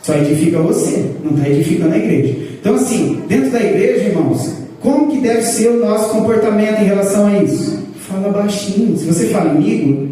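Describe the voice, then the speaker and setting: A Brazilian man with a high, dark and mellow voice teaches scripture to his church, explaining each point and lifting his pitch to stress it. He sounds echoey and distant, as if caught by a microphone across a large hall. Soft music hums faintly underneath. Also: animated, fast. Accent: Brazilian Portuguese. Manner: explanatory, rises in pitch to stress points, addresses congregation as brothers. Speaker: pastor teaching a church class. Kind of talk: teaching sermon.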